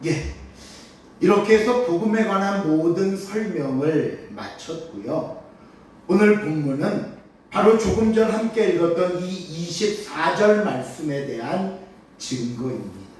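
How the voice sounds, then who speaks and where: A man's voice: sits high, sing-song, measured pace, a little mellow, a little hiss or hum. A male pastor preaching a Sunday morning sermon. He asks rhetorical questions and cues the congregation to read scripture aloud. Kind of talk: Sunday morning sermon, expository Bible teaching. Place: church sanctuary during a worship service. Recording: very echoey church sound from a distant mic.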